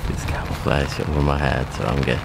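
A man's voice: rumbling low, little pitch movement, quick pace, vocal fry, heavy background noise. A man in his thirties from Norway, a wildlife photographer talking casually in a vlog from a small forest blind, with many fillers and restarts. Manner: hesitant, many fillers and restarts, hushed at times.

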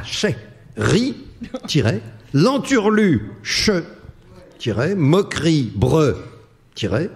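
A man hosting a live literary word game, reading each clue word in a slow, deliberate way. Between puzzles he chats with the crowd, his fairly high voice rising and falling widely. He sounds like a regular performer of the event. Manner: reads clue words one by one, then chats and teases the audience. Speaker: performer posing word riddles to a live audience. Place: public reading hall with a live audience.

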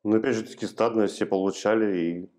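A man in his thirties from eastern Ukraine, giving hesitant, halting answers in an interview in a small office, recorded on a lapel mic. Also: on the low side, fairly even intonation, a little mellow. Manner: hesitant, halting, plain-spoken. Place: small office room, indoors. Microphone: clip-on lapel mic.

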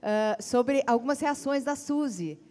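A woman's voice: high-pitched, animated, unhurried, mellow. A woman in her forties with a Brazilian accent, moderating a panel, introducing and asking questions on stage. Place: stage in a conference hall with seated audience. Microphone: handheld microphone. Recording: reverberant conference hall.

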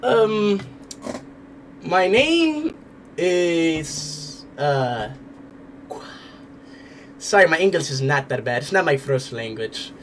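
Young man, livestream chat, headset mic, indoor room, stammering repeats, very lively pitch. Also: very slow, pauses often, a little hiss or hum. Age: young adult. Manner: hesitant, repeats words over and over.

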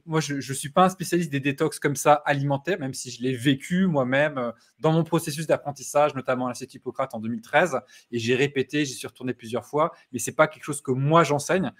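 A man in his thirties hosting an interview over a video call, with friendly fillers and hesitant restarts. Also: mid-range voice. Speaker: host. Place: home room with bookshelves.

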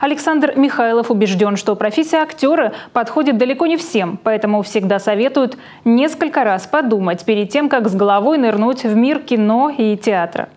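A young woman presents the news with a fairly high voice. She reads scripted copy in a studio, as a television newsreader does. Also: lively intonation, moderate pace, hardly any pauses, darkish tone. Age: young adult. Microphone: lapel mic.

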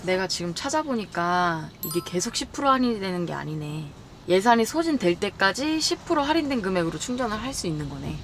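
A young woman vlogging in casual chat with her companion, relaxed and quick to laugh, recorded on a nearby camera. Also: medium pitch, faint music behind. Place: market, car and rented lodging, indoors and out. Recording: loud background noise.

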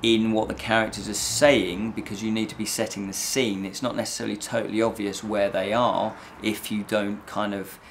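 A man's voice: fairly low pitch, flat delivery, normal speed, gravelly, few pauses, slight background noise. A middle-aged man giving a casual, rambling review to camera, often repeating and rephrasing himself. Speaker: host of a fantasy review show. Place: small indoor set with draped backdrop.

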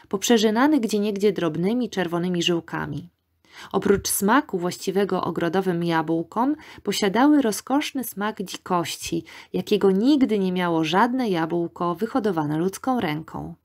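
A woman reading an audiobook, in calm, measured scripted narration. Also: medium pitch. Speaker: audiobook reader.

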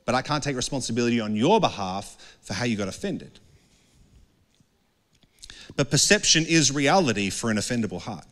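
A man's voice: medium pitch, sing-song, fairly quick, long pauses, fairly bright tone. A middle-aged man preaching a conversational sermon on a handheld mic, often asking the congregation questions. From Australia. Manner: conversational, earnest, asks the crowd questions. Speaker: pastor. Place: dark indoor stage with a couch. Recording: long hall reverb.

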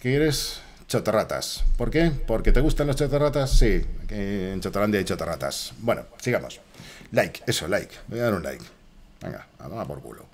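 A man with a Spain Spanish accent, commenting live on a horror game he is playing, with frequent swearing and excited outbursts at enemies and chat. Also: fairly low pitch, normal speed, a little hiss or hum. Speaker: streamer.

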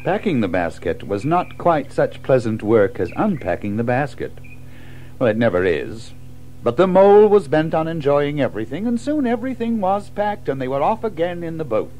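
A man narrating a children's story from a script in an expressive storytelling style. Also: fairly high pitch, moderate pace, a little hiss or hum. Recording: music behind narration.

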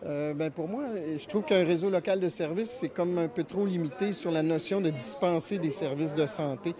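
A man in his fifties with a Quebec French accent, explaining his view at a conference in a measured, deliberate way. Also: on the high side. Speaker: public health worker. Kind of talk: vox pop interview answer. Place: busy hotel conference hall. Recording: crowd chatter behind.

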